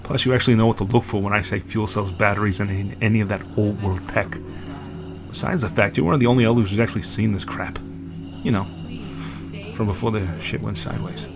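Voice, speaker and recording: Guy doing a gruff cursing black market shopkeeper, sci-fi audio drama, music going behind him. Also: on the low side, fast, close to an everyday voice. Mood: relieved, friendly. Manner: brash, swearing, hard-bargaining. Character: gruff, foul-mouthed male black-market implant dealer.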